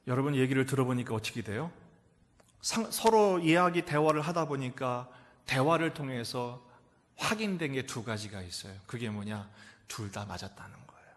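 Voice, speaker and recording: A middle-aged male pastor preaching a sermon in a church, asking rhetorical questions and answering them, swinging from loud exclamations to near whispers. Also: a little high. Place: church sanctuary. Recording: echoey church hall reverb.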